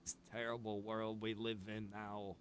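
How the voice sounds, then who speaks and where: Chatting on a casual livestream while playing a survival roleplay game, a man jokes in a laid-back manner and laughs often. His voice is on the low side with a level tone and a measured pace, over slight background noise.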